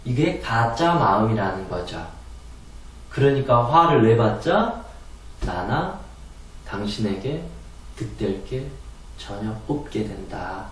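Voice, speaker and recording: A man lectures on meditation and letting go of anger, speaking in an earnest, explanatory way with rhetorical questions. His pitch moves a lot as he explains. He is heard from a distant mic in a very echoey room. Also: sing-song, takes it slowly, pauses often. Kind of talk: spoken lecture on calming anger.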